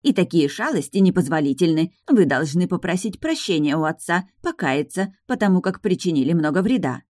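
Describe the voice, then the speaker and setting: Fussy old nanny done by a woman reading, reproachful and preachy, bit higher than her low voice. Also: sing-song, fairly quick, darkish tone, no echo, studio quality. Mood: scolding. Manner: reproachful, lecturing. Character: stern older female nanny, scolding, fussy.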